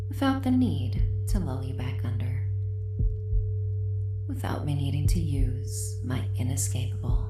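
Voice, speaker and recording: Mysterious female caretaker, acted by a woman for hypnosis roleplay: low-pitched, breathy, soothing, possessive, over ambient music. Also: full character voice. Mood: tender, possessive. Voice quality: soft, breathy whispering. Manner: slow, soothing, hypnotic, often dropping into whispers. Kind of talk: scripted hypnosis roleplay audio, ASMR-like. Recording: echoing voice over ambient tones. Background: soft ambient music with humming tones.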